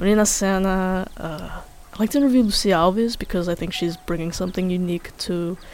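A woman talks in an unremarkable speaking voice. Her pitch is medium, with ordinary pitch variation. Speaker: media producer and campus radio volunteer. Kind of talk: casual interview chat.

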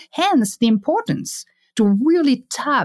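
Speaking at a fairly slow pace, a somewhat breathy woman makes very wide pitch swings, recorded very cleanly against a silent background with a dry, close sound and no echo. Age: 40s. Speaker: innovation consultant and author. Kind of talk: interview conversation.

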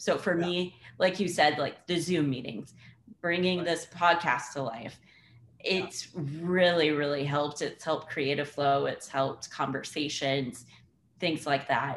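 With an American accent, a woman speaks at a fairly slow pace. Her pitch is very deep and low, with ordinary variation. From Indiana. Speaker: podcast host. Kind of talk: casual interview chat.

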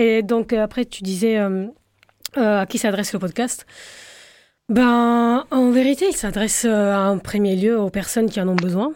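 A woman in a normal speaking voice talks at a fairly slow pace with a medium pitch and ordinary pitch variation, recorded very cleanly against a silent background. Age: 20s. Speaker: journalist and media co-founder. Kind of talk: interview.

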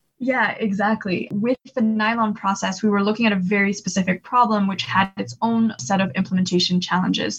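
Somewhat breathy woman's voice at a medium pitch, fairly quick and hardly pausing, with ordinary pitch variation. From France. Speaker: startup founder. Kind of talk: interview. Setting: video call.

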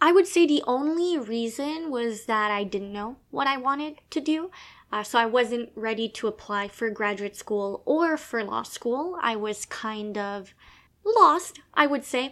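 A woman's fairly high, lively voice, a normal speaking voice, on a very clean recording with a silent background. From Quebec, Canada. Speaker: law student podcast co-host. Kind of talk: casual chat.

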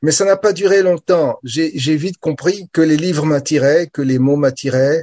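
The man's voice comes through in a dry, close sound with no echo, with ordinary pitch variation. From West and Central Africa (Togo, Gabon, Benin, Ivory Coast, Congo). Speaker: novelist. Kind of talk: interview. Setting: radio studio. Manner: hesitant, repeats words.

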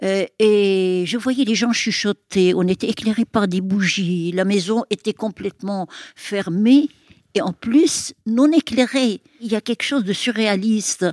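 A woman talks at a very slow pace with a medium pitch and ordinary pitch variation. The recording is very clean with a silent background, and the sound is dry and close with no echo. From Lebanon. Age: 80s+. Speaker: novelist and poet. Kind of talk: interview.

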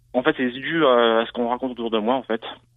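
The man's pace is moderate. His voice sits at a medium pitch. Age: 30s. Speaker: caller, job seeker. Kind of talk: call-in advice conversation. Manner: hesitant.

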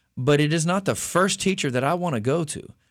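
Moderate-paced speech from a man, very clean recording and silent background. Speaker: preacher hosting a Bible call-in radio show. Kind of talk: radio talk show. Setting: radio studio.

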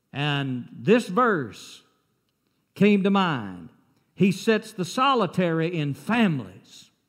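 In a Southern US accent, a man speaks at a very slow pace. His high pitch makes very wide swings. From South Texas. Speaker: pastor. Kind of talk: sermon. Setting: church. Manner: casual, storytelling.

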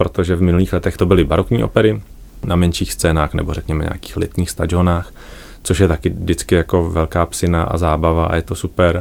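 Very fast, very low, deep male speech with normal pitch movement. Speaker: bass singer and ensemble artistic director. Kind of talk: radio interview. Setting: radio studio.

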